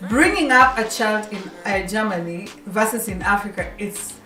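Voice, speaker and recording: A woman's voice: medium pitch, lively intonation, normal speed, pushed and bright, distant mic. Woman host, raised in Kenya, Kikuyu native; rambling chat, echoey off-mic sound with music behind. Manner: chatty, repeats and restarts words. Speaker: radio show host. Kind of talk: casual radio chat.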